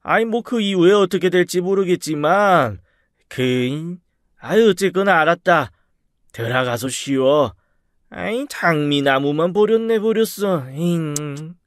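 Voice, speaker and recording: A man putting on a loud, rowdy older farm boss. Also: a little high, animated, measured pace, dry recording, studio quality, pitched above the performer's own voice. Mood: coaxing. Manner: boisterous, drawling, countrified.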